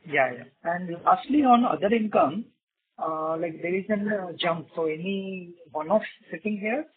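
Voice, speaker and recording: A man's voice: sits high, measured pace, slight background noise. A man with an Indian accent, a financial analyst asking unscripted questions on a business call. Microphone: phone. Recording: thin tinny phone line.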